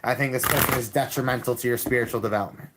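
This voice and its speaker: A man reading tarot cards on a live stream, talking calmly and repeating himself, with frequent restarts. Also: medium pitch, very fast, heavy background noise. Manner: calm, repetitive, with many restarts.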